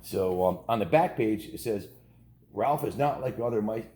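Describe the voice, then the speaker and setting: A man's voice: on the low side, lively intonation, moderate pace, dark tone. A man in his fifties with an American accent, reading a children's book aloud with informal, jokey asides. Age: 50s. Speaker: children's book reader and host. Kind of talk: casual read-aloud with asides to viewers.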